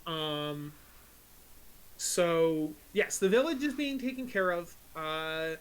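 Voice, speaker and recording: A woman acting as game master, narrating a tabletop game casually in a hesitant, halting way. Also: on the low side, animated, low-quality recording. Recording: clear background hiss and noise.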